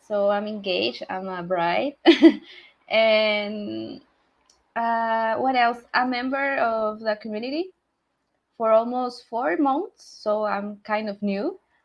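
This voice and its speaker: Very slowly and with long, frequent pauses, a woman with a Spanish accent speaks at a fairly high pitch with ordinary pitch variation. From Peru. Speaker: community member, marketing professional. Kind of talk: casual panel introduction on live stream. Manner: halting, many fillers.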